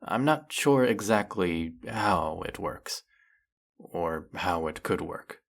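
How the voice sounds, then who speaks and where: A man playing a centuries-old vampire hunter in an audio roleplay, guilt-ridden and resolute, confiding with halting delivery and heavy pauses. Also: low voice, animated, vocal fry, exaggerated voice. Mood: apologetic, halting. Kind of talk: dramatic audio roleplay monologue.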